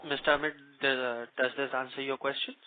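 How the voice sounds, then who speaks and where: A man's voice: mid-range voice, flat delivery, fast talker, a little hiss or hum. A man moderating a conference call with formal announcements. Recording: narrow phone line.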